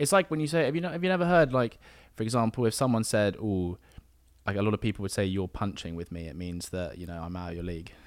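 Speaking very fast in an English accent, a man swings very widely in pitch and loudness on a very clean recording with a silent background. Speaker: guest, visiting the US, partner of the host. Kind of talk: casual chat.

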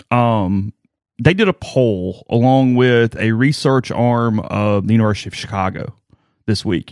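An ordinary speaking voice comes through with ordinary pitch variation. The background is quiet, and the sound is dry and close with no echo. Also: man. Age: 30s. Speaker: sports podcast co-host. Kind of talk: casual chat. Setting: studio.

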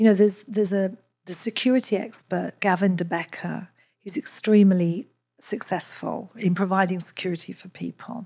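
With an English accent, a woman speaks in a dark, mellow tone marked by big swings in loudness. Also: medium pitch for a woman, fairly even intonation, moderate pace. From England. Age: 60s. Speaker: skincare company founder. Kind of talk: interview. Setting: studio.

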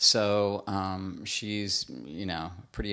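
A man with an American accent speaks at a very deep, low pitch with a bright, sharp tone. The background is quiet. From US Mountain West, Denver. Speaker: nightclub owner. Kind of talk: casual interview chat.

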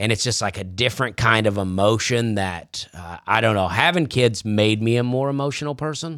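A man with a Southern US accent at medium pitch, moderate pace and hardly any pauses, on a very clean recording with a silent background. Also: ordinary pitch variation. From Alabama. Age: 40s. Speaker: comedian. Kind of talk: casual chat.

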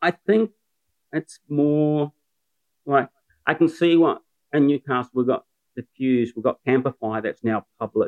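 This man talks with a New Zealand accent at a fairly high pitch. He leaves long, frequent pauses. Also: ordinary pitch variation, fairly slow pace. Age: 60s. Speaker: serial entrepreneur. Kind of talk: interview.

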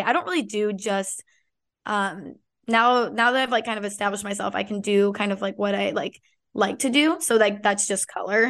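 Against a quiet background, a woman in an unremarkable speaking voice talks at a fairly quick pace, fairly high-pitched with ordinary pitch variation. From Illinois, south of Chicago. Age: 20s. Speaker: hairstylist. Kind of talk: casual chat. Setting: video call.

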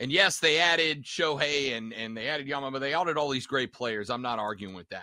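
An animated man with an American accent, fairly high in pitch, his tone bright and sharp and his intonation lively. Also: fairly quick pace. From US Southeast. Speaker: sports betting podcast host. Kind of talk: casual sports chat.

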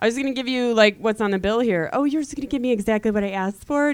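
An ordinary speaking voice from a woman, fairly high in pitch with lively intonation. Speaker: comedian. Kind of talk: stand-up. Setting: stage with audience.

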